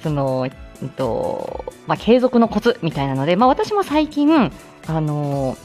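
A woman's voice: low voice, sing-song, unhurried, darkish tone, soft background music. Flustered, chatty woman live-streaming. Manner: flustered, chatty, many fillers and small laughs. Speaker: speech therapist and live-stream host. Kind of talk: casual solo live stream.

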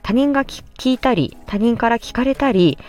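A woman who works as a speech-language-hearing therapist hosts a podcast, explaining a topic politely and with measured pauses and frequent fillers. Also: on the high side, animated, a little mellow, soft background music.

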